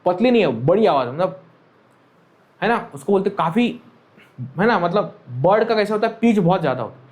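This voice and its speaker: The highs are cut off in this clip of a man lecturing on physics in class. His voice is high and slightly mellow, a little fast and lively in intonation. He blends English terms into Hindi, repeating key phrases and frequently confirming that students understand.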